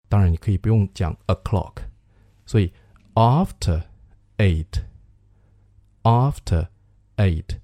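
A man hosting a radio-style English pronunciation lesson, patiently explaining and modeling phrases in slow, drawn-out repetitions. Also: deep voice, warm tone, no room sound. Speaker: English teacher and show host.

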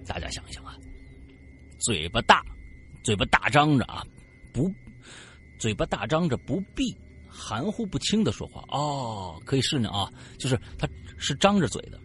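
A man's voice: medium pitch, big pitch swings, moderate pace, a bit bright, a little hiss or hum. A man from Qinghai telling a ghost story in a chatty, casual way, turning aside to talk to his listeners. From Qinghai, China.

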